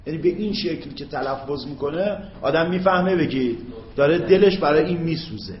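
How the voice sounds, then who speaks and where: Man teaching grammar in an echoey room. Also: expressive. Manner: drawn-out chanting of Arabic examples; checks understanding with quick questions to students. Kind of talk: classroom lecture. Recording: echoey, dull low-fi classroom recording.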